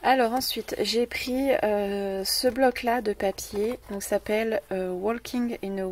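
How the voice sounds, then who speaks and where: This French-accented woman hosts a laid-back scrapbooking craft-haul show-and-tell, speaking slowly in a mid-range voice with fairly even intonation. She hesitates a lot, using many fillers and repeating words, and the faintly noisy audio comes from a distant mic.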